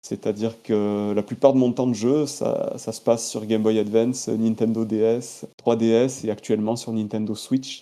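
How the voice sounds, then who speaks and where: A man speaks in a southern French accent at a fairly slow pace. His tone is dark and mellow, his pitch medium. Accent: southern French, sing-song. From southern France, Alpes-de-Haute-Provence. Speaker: podcast listener guest, gamer. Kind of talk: interview. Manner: hesitant, frequent fillers.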